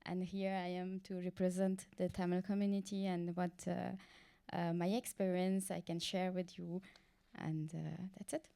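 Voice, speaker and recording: Woman, 30s, panelist, hesitant, warm clear voice. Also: on the low side, flat delivery, moderate pace. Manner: hesitant, frequent "um". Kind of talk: self-introduction on a panel.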